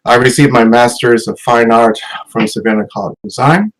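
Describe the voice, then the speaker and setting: A middle-aged man from Massachusetts, an educator presenting a talk with slides, hesitant and filling pauses with many ums. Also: mid-range voice, poor audio.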